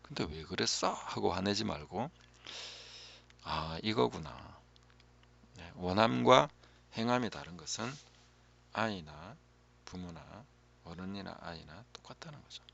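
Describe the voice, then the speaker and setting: A low, gravelly man's voice gives a calm, reflective Bible teaching as a pastor, often sinking to a hushed tone. The recording sounds dull and lo-fi. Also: measured pace, pauses often, slight background noise.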